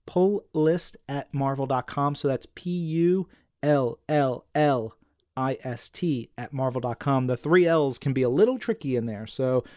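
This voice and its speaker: A man's voice: mid-range voice, unhurried, a little mellow, dry recording, clean studio sound. A man co-hosting a casual comics fan podcast, chatting enthusiastically and reading out listener messages. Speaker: podcast co-host.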